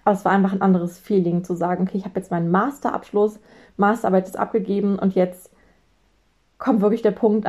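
A woman in her late twenties, a business mentor, talking reflectively to her audience and acting out her own anxious inner voice with sudden high exclamations. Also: mellow. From Germany. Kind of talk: reflective solo talk.

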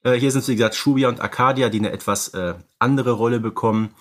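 A man's voice: mid-range voice, fairly even intonation, fast talker, fairly bright tone. A man co-hosting a podcast, casually analysing films and recapping their stories. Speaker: podcast co-host.

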